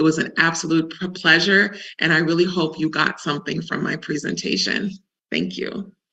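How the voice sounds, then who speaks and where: A normal speaking voice from a woman, fairly low in pitch, at a moderate pace with fairly even intonation. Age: 50s. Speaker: wellness coach. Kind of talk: webinar presentation and Q&A.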